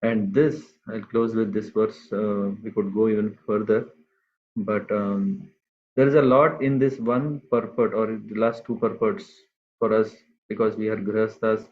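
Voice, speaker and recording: A man giving a scripture class to a group, speaking unhurriedly and pausing often with fillers. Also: on the low side, flat delivery. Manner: unhurried, halting with many fillers. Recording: tinny phone-like line.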